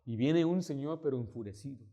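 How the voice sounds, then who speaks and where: A male pastor, preaching a sermon and telling stories with emphatic, lively delivery. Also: medium pitch, brisk, highs cut off. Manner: storytelling, acting out quoted voices, emphatic.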